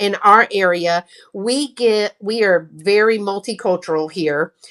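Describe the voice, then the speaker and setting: A woman with a Southern US accent speaks at a medium pitch and fairly slow pace in a bright, sharp tone, with a dry, close sound with no echo. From US South, Texas. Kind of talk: casual livestream chat.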